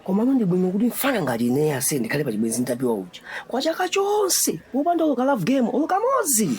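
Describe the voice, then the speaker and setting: Excitable, fast-talking young Malawian man. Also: high-pitched. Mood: eager, animated. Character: excitable young man seeking love advice from his friend. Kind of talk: radio drama acting in casual slangy dialogue.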